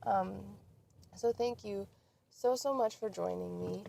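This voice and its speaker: A young woman talks casually to her listeners from inside a moving car. She has a mid-pitched voice and rambles in a chatty, self-deprecating way. Vehicle noise runs clearly behind her as she drives. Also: slow pace, dark tone. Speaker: podcast host. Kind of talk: casual solo chat to listeners while driving. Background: vehicle hum.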